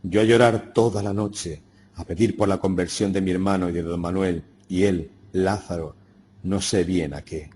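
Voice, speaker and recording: A male narrator reads a literary classic aloud with a deep, dark, mellow voice. His delivery is slow, solemn and reflective. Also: fairly even intonation, a little hiss or hum. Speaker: audiobook narrator.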